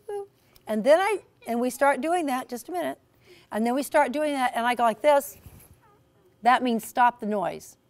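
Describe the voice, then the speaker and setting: A woman storyteller doing an interactive read-aloud for young children, encouraging and teacherly, with theatrical emphasis. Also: high-pitched. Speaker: storyteller and author. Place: in front of a class of children.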